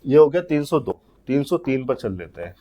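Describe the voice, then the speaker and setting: Very animated and dark in tone, this man's medium-pitched voice comes through with the highs cut off. He is an English grammar teacher running an exam-prep lesson, explaining step by step and answering his own questions. For example sentences, he slows right down and reads each word out.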